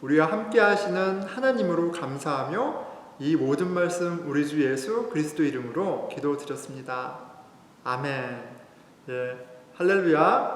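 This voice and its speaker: Male pastor, sermon, conversational storytelling, lively rising and falling voice, long hall reverb. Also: on the high side, slight background noise. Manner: conversational, telling a personal story. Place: church sanctuary.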